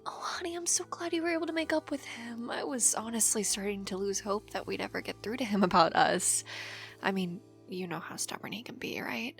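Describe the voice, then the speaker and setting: A woman playing an affectionate, teasing working wife in an ASMR audio roleplay, chatty and expressive. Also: medium pitch, brisk, faint music behind, lightly acted. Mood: gentle, caring.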